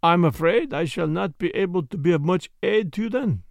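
A man's voice: high voice, lively intonation, gravelly, no echo. A man voicing a polite, self-important Belgian detective with a French-speaking Belgian accent and mannered, precise phrasing, in a storybook reading. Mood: polite, pleased. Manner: mannered, deliberate, foreign phrasing.

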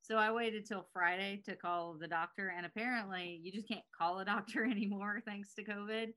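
Female podcast host, American with a slight Southern trace, mid pitch, bright voice, conversational. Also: steady tone, fairly quick. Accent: American, faint Southern. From South Carolina, US. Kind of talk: casual chat.

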